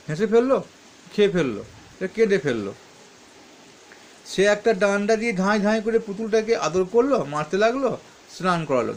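High-voiced man explaining schoolbook answers. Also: a little hiss or hum. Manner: reads questions then answers, stops to correct himself. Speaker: teacher.

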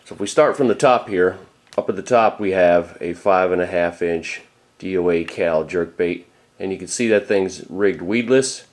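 A middle-aged man, a fishing guide, giving a casual off-camera talk about lures in a plain, practical way with frequent fillers. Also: low-pitched. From Florida.

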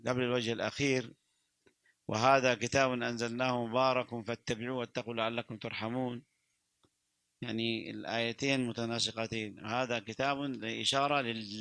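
A man's voice: mid-range voice, vocal fry, bright, forceful tone, no echo. An older man and Quran reciter giving a religious talk, reciting verses, fervent and stumbling into restarts. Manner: fervent, many restarts and stammers.

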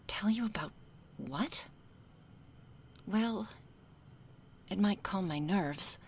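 A woman voicing a nervous, sheepish young succubus in a soft, hesitant ASMR role-play. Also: medium pitch, expressive, drawn-out words, a little hiss or hum. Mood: sheepish, affectionate. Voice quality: soft, husky, breathy. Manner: hesitant, flustered, succubus-like soft intimate delivery. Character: nervous young female succubus, reluctant, sheepish, affectionate daughter.

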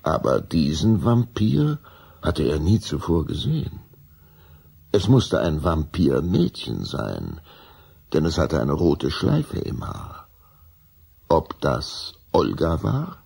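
A man narrating a children's radio play as an unhurried storyteller, with a dark, husky, gravelly voice. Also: a bass voice, wildly swooping pitch, exaggerated voice. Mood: measured.

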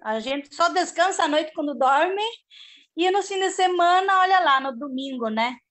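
A high-pitched middle-aged woman, speaking over a video call from her home. She rambles in a chatty, homespun way, restarting her sentences and tagging them with little checks. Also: expressive, normal speed, a bit bright. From southern Brazil. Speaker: organic farmer. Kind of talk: casual video-call panel talk.

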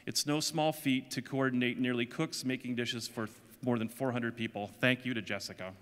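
A man's voice: mid-range voice, steady tone, moderate pace, fairly bright tone. A middle-aged man making announcements from a stage as host of an event. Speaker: international student advisor, event host. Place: large auditorium stage. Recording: echoey hall with audience noise.

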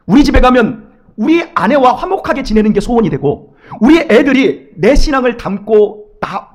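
A middle-aged man preaching a lively sermon in a church, acting out his children and God in quoted voices. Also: very high voice. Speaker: pastor. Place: church sanctuary.

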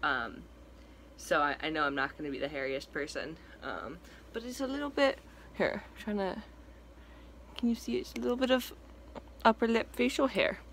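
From a small room at home, a young trans male vlogger talks at normal speed in a high-pitched, somewhat bright voice, pausing often. His casual update is chatty and rambling, with lots of fillers, restarts and voice cracks, and there's a little hiss or hum in the audio.

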